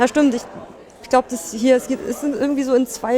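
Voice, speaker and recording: With fairly even intonation, a woman speaks in a high pitch against noticeable background noise. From northern East Germany. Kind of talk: casual chat. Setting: walking through a museum.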